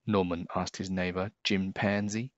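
A man reading a children's story aloud in an expressive way, acting out the characters for young listeners. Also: low-pitched, moderate pace, dry recording, highs cut off.

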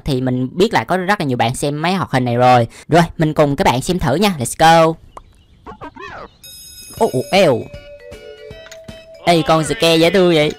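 A young man with a fairly high voice hosts YouTube reaction commentary, casual and full of exclamations, often tickled by what's on screen. There's no room sound, though music plays behind his voice.

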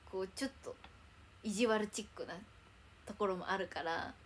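A woman's voice: mid-range voice, moderate pace, slightly rough. A young woman chatting casually on a livestream in a bubbly, chatty way, thanking viewers as they arrive. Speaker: idol livestreamer.

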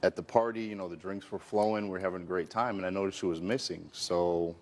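Deep-voiced aggrieved man testifying in court. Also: steady tone, fast. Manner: earnest and aggrieved, full of "you know" fillers. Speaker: plaintiff on a TV court show. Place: TV courtroom set.

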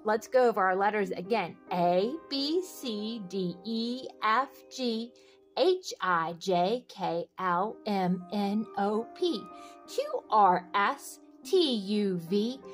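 A woman reading a picture book aloud to young children, expressive and sing-song, talking directly to her little listeners. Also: medium pitch, slow, faint music behind.

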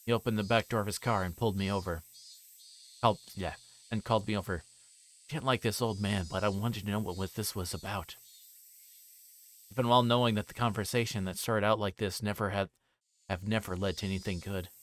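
A man's voice: fairly low pitch, steady tone, a little fast, fairly bright tone, a little hiss or hum. A man livestreaming a visual novel, reading its narration aloud and sometimes stumbling and re-reading. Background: music behind the voice.

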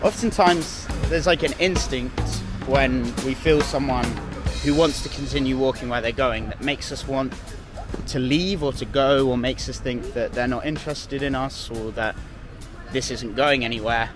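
A man's voice: medium pitch, moderate pace, music in the background. A man in his twenties, a dating coach, talking casually and playfully on a busy city street. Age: 20s. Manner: relaxed, chatty and playful. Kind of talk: street approach vlog with commentary. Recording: traffic noise on a city street.

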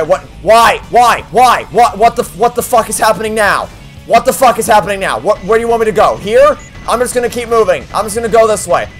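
A young man giving sarcastic, exasperated commentary while playing a video game, swearing and complaining often. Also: sits high. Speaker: let's play host. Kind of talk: profane frustrated gameplay commentary.

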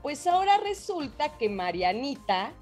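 A woman's voice: sits high, very animated, unhurried, darkish tone, soft background music. A woman with a Mexican accent co-hosting a casual talk show, gossiping in slang and calling her listeners brothers. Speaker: co-host. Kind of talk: casual political gossip chat.

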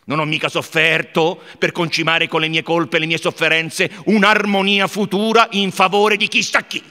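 A man voicing an impassioned, brooding young man in a theatrical literary reading, declaiming fervently from hushed tones to shouts. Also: on the high side, flat delivery, moderate pace. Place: theatre stage before an audience. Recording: long hall reverb.

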